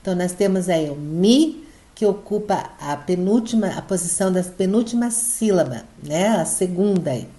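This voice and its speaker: A woman's voice: on the low side, animated, normal speed, warm tone. A woman teacher with a Brazilian Portuguese accent, patiently explaining a Spanish lesson step by step and often checking that students follow. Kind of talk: recorded online lesson.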